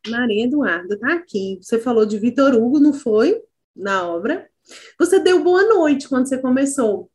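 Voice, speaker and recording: A woman teacher on a video call, her voice pitched a little high. She gives students encouraging feedback in an online class. She fills her pauses with hesitations while she gathers her thoughts. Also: animated, darkish tone. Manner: encouraging, thinks aloud with fillers.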